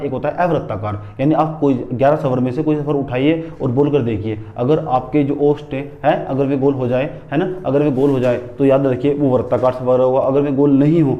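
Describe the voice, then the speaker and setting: A man's voice: mid-range voice, lo-fi sound. A man teaching a Hindi grammar class, repeating key terms and asking and answering his own questions as he dictates headings. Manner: tells students to write headings.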